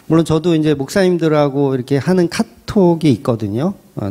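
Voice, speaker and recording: A man's voice: a little high, warm tone. A male pastor preaching a sermon in a conversational way, acting out quotes and putting questions to his listeners.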